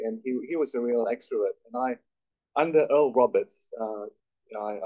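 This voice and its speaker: A man's voice: mid-range voice, a little mellow. A middle-aged man from Malaysia talks through his story in a chatty, self-deprecating way, often restarting his sentences. The recording sounds muffled and lo-fi. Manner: chatty, self-deprecating, many repeated starts. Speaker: guest speaker. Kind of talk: conversational interview on stage. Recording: dull lo-fi recording.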